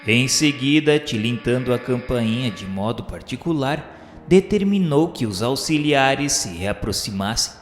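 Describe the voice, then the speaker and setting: A man's voice: mid-range voice, animated, a little slow. Echoing male radio drama narrator. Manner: formal, literary delivery. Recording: echoing long reverb, music underneath.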